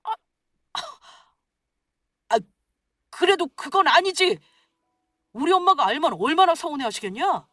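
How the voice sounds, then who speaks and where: A grown husband, petty and defensive, blusters through his complaints in a story reading, as a woman acts him out. The voice rides a fairly high, lively pitch. The sound is close and dry. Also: a little slow, long pauses, no room sound, exaggerated voice. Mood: indignant.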